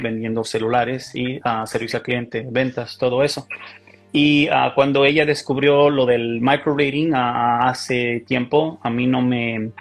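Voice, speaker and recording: Gravelly Mexican man on a video call. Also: medium pitch. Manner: hesitant, many fillers and restarts. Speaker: interview guest, micropigmentation artist. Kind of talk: casual interview over video call. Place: small indoor room.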